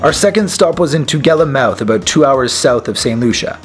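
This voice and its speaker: A man's voice: medium pitch, lively intonation, brisk, faint music behind. A man in his thirties, a travel vlogger chatting upbeat to a camera held at arm's length outdoors, gesturing as he talks. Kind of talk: travel vlog chat and voice-over narration. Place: outdoors on a resort deck. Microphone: handheld camera at arm's length.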